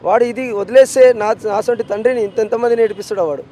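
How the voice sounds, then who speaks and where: A man's voice: sits high, fast, crowd noise, low-quality recording. A middle-aged man with a Telangana Telugu accent, a bereaved father giving a street news interview, anguished and insistent as he repeats his demands. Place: outdoors on a city street.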